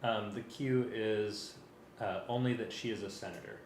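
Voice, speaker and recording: A man's voice: on the low side, steady tone, moderate pace, slight background noise. A man talking casually as he directs a music rehearsal, thinking aloud in a hesitant, working way. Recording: roomy sound with music playing.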